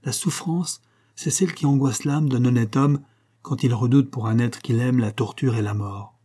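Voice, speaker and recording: A calm and wise Hindu guide speaks in a measured, solemn way, as a man reads him in an audiobook. The voice is husky and dark. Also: medium pitch, natural voice.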